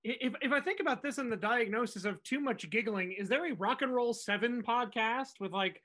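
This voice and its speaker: A man's voice: very high-pitched, fairly quick, sharp tone. A man from New Jersey with an American accent, chatting casually as a podcast co-host. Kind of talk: casual chat.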